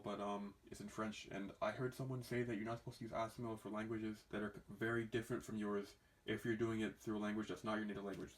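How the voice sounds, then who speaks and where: A young man talking casually to camera as a language-learning vlogger, rambling and restarting his sentences. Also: on the low side. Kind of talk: casual vlog talk. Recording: echoey room.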